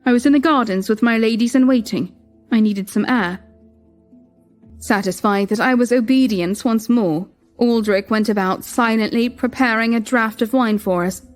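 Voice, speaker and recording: A young woman narrating in first person as a queen, measured and reflective. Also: on the high side. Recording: music bed behind.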